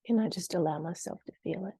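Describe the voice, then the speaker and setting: A woman leading a guided meditation in a gentle, soothing, unhurried way with long pauses between short phrases. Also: fairly low pitch, slightly rough, no room sound.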